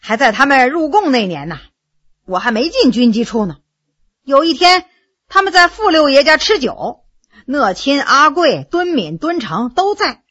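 A woman voicing a witty middle-aged male court scholar who tells jokes in an unhurried, sly way. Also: sits high, very animated, a bit bright, lo-fi sound. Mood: amused.

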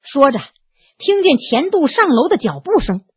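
A woman reading a story aloud in an expressive narration style. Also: moderate pace, no room sound. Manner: expressive reading, swinging in pitch. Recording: tinny narrow phone-like sound, dry.

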